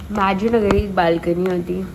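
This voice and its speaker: A young woman from India, with an Indian English accent, chatting casually in an animated travel vlog, switching between Hindi and English and swearing often. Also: medium pitch, measured pace, background noise. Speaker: vlogger. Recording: background music over the talk.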